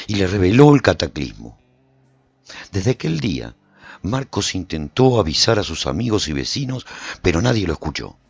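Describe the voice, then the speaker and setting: Radio serial narrator: weary apocalypse survivor, low-pitched, rough-edged, suspenseful storytelling in a dry studio sound. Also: male voice, no echo, lo-fi sound, exaggerated voice. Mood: solemn storytelling. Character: weary, wary male survivor recounting his journey after apocalypse. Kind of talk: scripted dramatic first-person radio serial narration.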